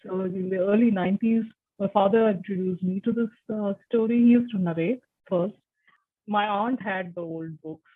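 A woman's voice: medium pitch, normal speed, breathy edge. A woman in her forties whose first language is Tamil, talking casually as an interview guest, chatty with frequent restarts. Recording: muffled phone-like line.

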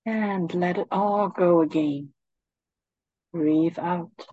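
A woman leading a guided meditation, speaking in a calm, soothing, gently instructing manner. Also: on the low side, drawn-out words, dry recording, phone-quality sound.

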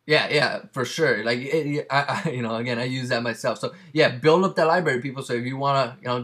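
A man hosts a relaxed interview, rambling a little with lots of fillers and restarts. His first language is Spanish, and his voice sits at an ordinary middle pitch. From Mexican family. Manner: chatty, many fillers and restarts. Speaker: podcast host. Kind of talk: casual interview.

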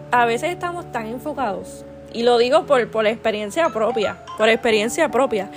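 Earnest woman, pitched high. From Puerto Rico. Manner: earnest and affectionate, with constant "¿verdad?" tags and restarts. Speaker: podcast host sharing a devotional. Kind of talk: heartfelt devotional talk.

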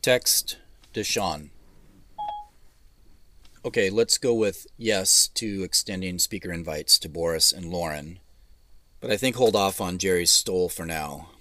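An actor playing a weary, polite tech CEO dictating messages in short, measured, businesslike phrases. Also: male voice, low voice, bright, forceful tone.

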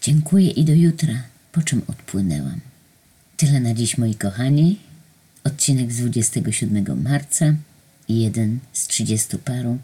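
A woman reading her own story aloud with lively expression. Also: a bass voice, normal speed, slightly rough.

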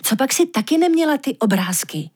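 A woman voicing an anxious male magic reindeer who talks in a slangy, pleading way, with a husky voice. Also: high voice, very animated, darkish tone, voice pushed up, full character voice. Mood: urgent, pleading.

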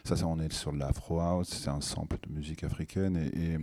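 A man's voice: rumbling low, steady tone, a little fast, dark tone. A man, a guest DJ, chatting on the radio, groping for words with many restarts. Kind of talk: casual radio chat.

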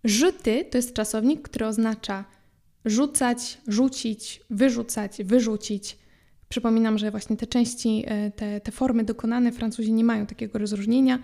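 A woman teaching French in a podcast lesson, explaining grammar clearly and spelling out letters slowly. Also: on the high side, fairly even intonation, warm tone.

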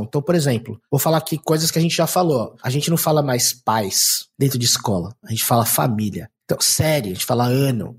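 A man from Brazil, talking in a casual, animated, slangy way and acting out quoted dialogue. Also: on the high side, husky. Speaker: podcast co-host. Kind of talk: casual chat.

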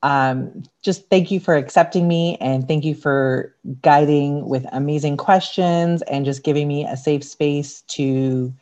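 A woman's voice: low-pitched, steady tone, a little slow, few pauses, a little mellow. A woman chatting casually as a guest on a podcast. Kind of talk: casual chat. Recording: dull, lo-fi audio.

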